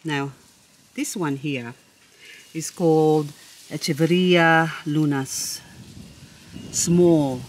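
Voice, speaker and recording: A woman in a casual show-and-tell vlog, talking slowly and lingering over her words. Her voice sits a little low, and she gushes and admires as she chats. She jokes playfully with herself, with faint background noise behind her. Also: fairly even intonation. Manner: gushing, admiring, chatty. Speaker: succulent-growing vlogger.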